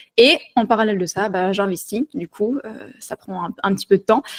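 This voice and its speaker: In a normal speaking voice at medium pitch, a woman talks at a moderate pace with fairly even intonation on a very clean recording with a silent background and a dry, close sound with no echo. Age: 30s. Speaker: medical physicist and investing YouTuber. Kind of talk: interview.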